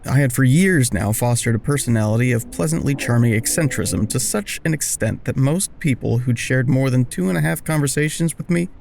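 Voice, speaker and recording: An actor playing a wry, awkward man who narrates his own story in an audio drama with self-deprecating, deadpan, wordy humor. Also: mid-range voice, fairly quick, vocal fry, few pauses, lightly acted. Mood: wry narrating. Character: wry, awkward smoker man narrating a reunion with old friend. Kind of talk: first-person scripted narration and dialogue in audio drama.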